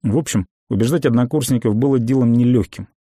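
A man reading a memoir aloud as an audiobook narrator, in a calm, measured and reflective way. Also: medium pitch, no room sound, clean studio sound.

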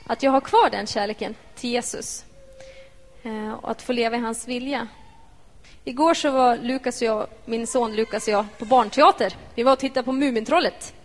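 A woman giving a personal devotional talk to a congregation, reflective and gentle, asking the listeners questions. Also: fairly high pitch. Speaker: devotional speaker. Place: church hall. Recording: echoey church hall.

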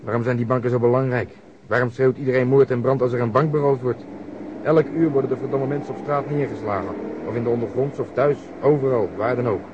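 An actor playing a blunt, irritable police detective in a radio play, curt and scornful. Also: male voice, mid-range voice, fairly even intonation, fast talker, natural voice. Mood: irritated. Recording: muffled noisy old radio recording.

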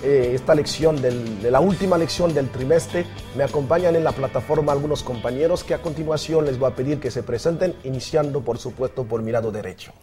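A man's voice: mid-range voice, a little fast, few pauses, mellow, soft background music. A man hosting a Bible study discussion in a studio, welcoming listeners and guiding the conversation. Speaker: host of a Bible study program.

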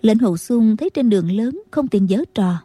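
Woman narrating with a dark, husky voice. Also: a little high, expressive, moderate pace, dry recording. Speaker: audiobook narrator. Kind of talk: scripted martial-arts novel narration.

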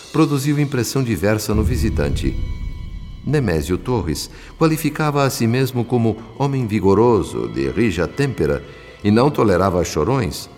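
A Brazilian man reading scripted, literary radio drama narration in a measured, formal and solemn storytelling manner. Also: low voice, darkish tone. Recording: long reverb, music behind. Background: background music.

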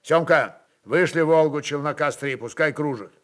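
A man's voice: fairly high pitch, natural voice. A man voicing a stern Cossack commander who gives curt, commanding orders in a dramatised story. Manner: brisk, commanding.

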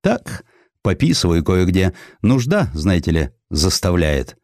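Male narrator as unassuming young literary man, deep voice, understated and casual, dry close storybook recording. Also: sing-song, unhurried, a little mellow, no room sound. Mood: offhand. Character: modest, unassuming young male writer travelling by boat.

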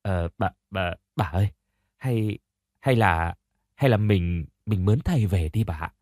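A man voicing a timid, fearful servant woman who stammers and pleads in a hushed voice, in an audiobook reading. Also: low-pitched, a little slow, dry recording, studio quality, voice pushed down. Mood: fearful pleading. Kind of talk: audiobook narration.

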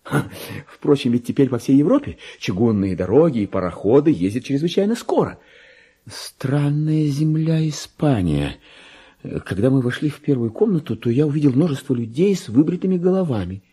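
A deluded, self-crowned madman in a literary radio drama. His voice is dark and mellow at a middle pitch, with very lively swings from hushed to shrill. He speaks with erratic, pompous grandeur, every phrase theatrically weighted. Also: moderate pace, breathy edge. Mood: solemn wonder. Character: deluded madman clerk, believes himself king of Spain. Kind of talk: dramatic literary monologue, Russian radio play.

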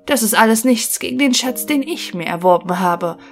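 A woman's voice: on the high side, animated, normal speed. A woman voicing a proud young male turner in a fairy tale audiobook, speaking firmly and confidently. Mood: boastful.

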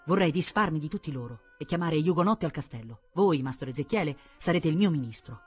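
Woman voicing a scheming nobleman, commanding, bitter, husky, audiobook. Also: low-pitched, lively intonation, fast talker, darkish tone, faint music behind. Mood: imperious. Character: cold, scheming nobleman, half a man. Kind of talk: audiobook reading.

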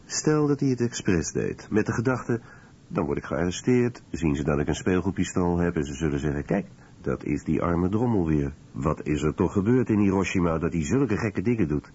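A man's voice: low voice, animated, normal speed, dark tone, husky. A man reading translated commentary as a scripted documentary voice-over. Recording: dull lo-fi radio recording.

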